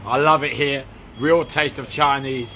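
A man interviewing a cafe owner on a handheld phone, excitable, laughing often and tripping over his questions. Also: mid-range voice, unhurried, slight background noise. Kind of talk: casual street interview. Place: small cafe, indoors.

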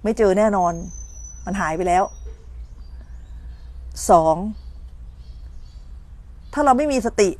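A woman's voice: mid-range voice, animated, takes it slowly, long pauses, a little mellow. A middle-aged woman meditation teacher giving a morning dharma talk, telling stories and checking that her listeners follow. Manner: storytelling, acts out complaining voices, checks listeners understand.

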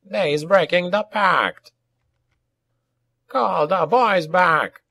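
A man voicing an excitable, indignant goblin underling who bellows in crude, ungrammatical speech, in an audiobook. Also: high voice, very slow, vocal fry, voice pushed up, full character voice. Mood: alarmed bellowing. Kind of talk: acted audiobook dialogue.

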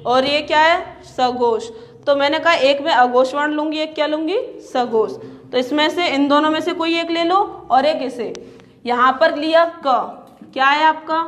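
A woman's voice: high voice, moderate pace, a bit bright. A woman teaching a lecture, sounding out each syllable again and again and asking her students questions before she answers them herself. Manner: repeats sounds and asks the class questions. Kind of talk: classroom lecture.

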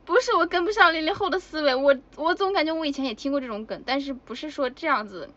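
A woman's voice: high voice, quick pace, fairly bright tone, dull audio. A woman chatting casually with fans on a livestream, giggly and exclamatory. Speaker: idol livestreamer. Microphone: phone.

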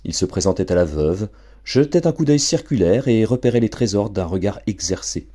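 A man reads a storybook for an audiobook with a theatrical flair. His pitch swings widely across a lowish, husky voice. The delivery stays expressive throughout. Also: moderate pace. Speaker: audiobook reader. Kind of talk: storybook narration.

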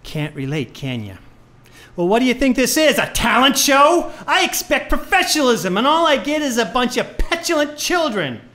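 Male actor as hostile, sarcastic bandleader, radio-play style, very animated intonation. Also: very high voice, moderate pace, full character voice. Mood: sneering, angry. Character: bitter, sarcastic jazz bandleader named Buddy. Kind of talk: live old-time radio play acting.

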